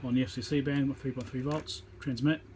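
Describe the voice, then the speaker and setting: Man, mid-pitched voice, informal repair demonstration, matter-of-fact, talks through each step, phone recording with noticeable background noise. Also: flat delivery, brisk, a little mellow. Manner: matter-of-fact, thinking aloud while working. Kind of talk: informal hands-on tutorial commentary. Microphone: phone on a tripod.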